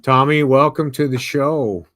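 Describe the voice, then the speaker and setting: Host: man with a mid-range voice and a dry, close sound, eager and halting. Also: medium pitch, fairly bright tone, no echo. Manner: eager, stumbling questions. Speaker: podcast host. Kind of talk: interview hosting.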